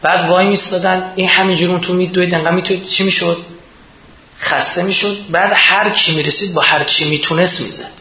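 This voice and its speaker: Male preacher, fairly high voice, impassioned sermon delivery, echoey muffled recording. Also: steady tone. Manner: impassioned, rising to emphatic peaks. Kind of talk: religious sermon. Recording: echoey dull lo-fi.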